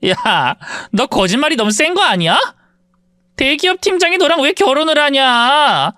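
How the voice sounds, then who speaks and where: A man's voice: very high-pitched, big pitch swings, a little slow, bright, forceful tone, no echo, studio quality, pitched above the performer's own voice, heavily acted. A man voicing a spiteful, mocking woman who bullies an old classmate in a told story. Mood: sneering. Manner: mocking, condescending, scornful.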